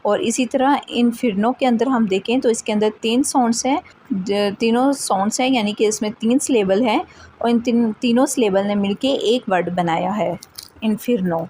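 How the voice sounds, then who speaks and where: A woman hosting her own language channel, explaining a grammar lesson casually and reading English definitions slowly and deliberately. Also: fairly high pitch, a little mellow, a little hiss or hum, low-quality recording. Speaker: English teacher, channel host. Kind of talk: explanatory lesson, mixing Hindi-Urdu and English.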